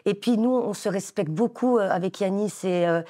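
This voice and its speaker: A woman's voice: medium pitch, normal speed, warm tone. A woman in her forties, a dance teacher, answering interview questions enthusiastically with many hesitations and fillers. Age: 40s.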